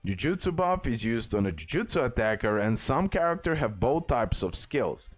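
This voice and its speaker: A man's voice: medium pitch, sing-song, moderate pace. A man giving a casual, off-the-cuff game tutorial as host, explaining step by step and often checking in with the listener. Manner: explanatory, repeatedly checking in with "okay?". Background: music.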